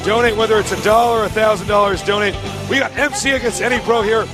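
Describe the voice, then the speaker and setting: A hoarse man casting esports as co-host, joking and upbeat in an exhibition hall. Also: high voice, fairly even intonation, over music. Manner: joking, upbeat, quick asides. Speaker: co-caster and host. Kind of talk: casual esports casting banter. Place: exhibition hall stage area.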